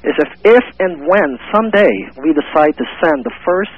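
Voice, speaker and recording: A man's voice: fairly high pitch, expressive, normal speed, dry recording. A man from the Philippines calling into a radio show, polite and a bit hesitant. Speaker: caller. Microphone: telephone. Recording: tinny phone line.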